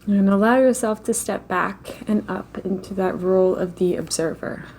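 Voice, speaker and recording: A woman leading a slow guided meditation in a gentle, unhurried way, with long pauses between phrases. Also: medium pitch, steady tone, a little hiss or hum.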